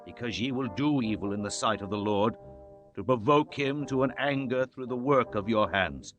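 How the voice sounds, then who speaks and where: A man's voice: mid-range voice, moderate pace, fairly bright tone, highs cut off, soft background music, lightly acted. A man playing an aged, stern and fervent prophet, declaiming solemnly in a dramatized scripture recitation. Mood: stern reproach.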